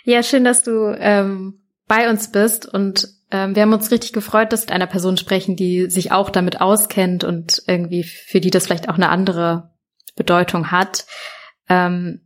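A woman hosts a podcast, reading a passage aloud and welcoming her guest with warm, searching questions. She speaks in a plain mid-range voice. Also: mid-range voice, little pitch movement, normal speed. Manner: friendly and hesitant, with many fillers when asking questions. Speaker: podcast host. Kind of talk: reading a quote aloud and interviewing.

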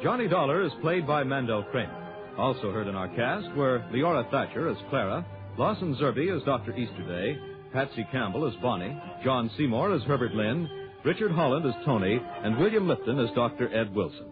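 A formal vintage radio announcer, a man whose pitch rises and falls with lively energy. The sound is dull and lo-fi, with music playing clearly behind him. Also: moderate pace. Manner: formal, booming.

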